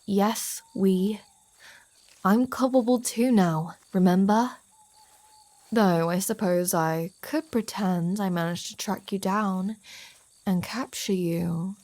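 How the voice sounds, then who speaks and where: Woman playing a slow-talking, flirty female vampire. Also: medium pitch, darkish tone, lightly acted. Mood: teasing, urgent. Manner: playful, sardonic, mock-exasperated. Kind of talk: ASMR roleplay audio drama.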